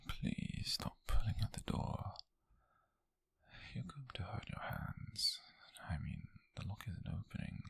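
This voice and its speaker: Breathy, gravelly British man playing an obsessive captor. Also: lowish voice, very animated, no room sound, whispered, heavily acted. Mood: pleading, controlling. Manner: slow, coaxing, hushed, intimate with pauses. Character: obsessive, possessive male coworker turned tender captor. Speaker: ASMR roleplay performer. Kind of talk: whispered ASMR roleplay monologue.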